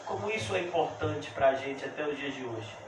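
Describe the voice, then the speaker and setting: A male pastor preaching a sermon, moving between soft, intimate asides and loud, fervent exclamations. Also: medium pitch, lively intonation, normal speed. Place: church. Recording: echoey church hall, voice from a distance, faint hiss.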